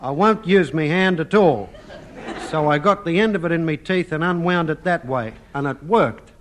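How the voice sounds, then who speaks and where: A man's voice: fairly high pitch, moderate pace, a little hiss or hum, lightly acted. An actor in a vintage radio sitcom playing a dim-witted, flustered young man who stammers and hesitates. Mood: dopey. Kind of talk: 1950s radio sitcom acting.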